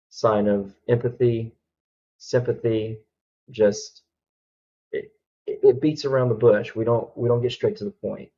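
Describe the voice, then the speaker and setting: A low, gravelly man with a thick Southern accent, talking unhurriedly as he reacts to a video. His tone is dark and mellow, and he stops and restarts his sentences. The sound is dull and lo-fi. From Alabama, US Southern. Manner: halting, many ums and restarts. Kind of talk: casual commentary reacting to a video.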